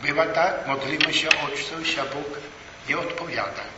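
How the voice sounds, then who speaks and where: A man preaching a sermon to a congregation, slow and emphatic, rising and falling for stress. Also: fairly high pitch, lo-fi sound, very noisy. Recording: echoey hall, voice from far off.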